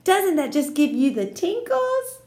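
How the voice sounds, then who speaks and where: A woman's voice: high-pitched, lively intonation, unhurried, a little mellow, voice pushed up. A woman doing a prissy vain little girl. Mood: gushing. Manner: sing-song, gushing, drawn out. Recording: roomy echo.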